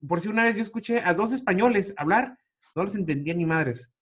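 A man's voice: sits high, lively intonation, a little fast, fairly bright tone, husky. A man, chatting casually as host. He talks in a laid-back, slangy way and laughs easily. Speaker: interviewer, comedy podcast host. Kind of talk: casual chat.

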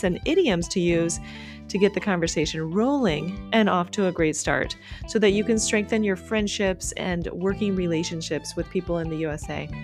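A woman hosting a podcast, reading her introduction with enthusiasm. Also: mid-range voice. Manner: upbeat, enthusiastic. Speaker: podcast host. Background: music.

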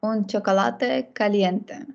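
A woman's voice: mid-range voice, slow pace, creaky, a little mellow, lo-fi sound. A woman with a Russian accent, a native Russian speaker, hesitantly repeating phrases as a student in a casual language lesson.

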